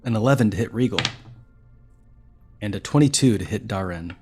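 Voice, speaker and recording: A man with a fairly low voice acts as game master. He narrates a tabletop game and prompts the players in the second person. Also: animated, fairly quick, music in the background.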